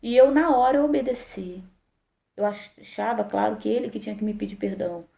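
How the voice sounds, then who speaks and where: A woman's voice: mid-range voice, a little fast, creaky, mellow. A woman pastor with a Brazilian Portuguese accent, telling a personal testimony in a sermon with emotional, conversational storytelling. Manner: emotional storytelling, addresses listeners as brothers. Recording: echoey room.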